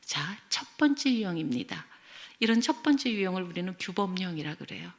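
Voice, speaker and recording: A woman's voice: on the low side, very animated, brisk. A middle-aged woman professor giving a church lecture, telling stories expressively and often dropping to a near whisper. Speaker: Christian education professor lecturing. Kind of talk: church lecture with acted anecdotes.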